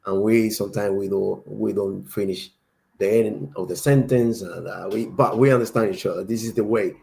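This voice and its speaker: A man's voice: lowish voice, fairly even intonation, moderate pace, gravelly, dark tone. A man from Cuba with a Cuban Spanish accent, a native Spanish speaker, telling a story in casual chat with a lot of laughter.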